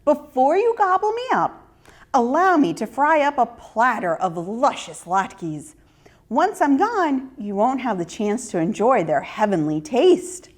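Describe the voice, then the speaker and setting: A woman's voice: a little high, sing-song, unhurried. A woman voicing a brave, clever little girl in a children's story, speaking politely and persuasively. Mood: flattering, bright.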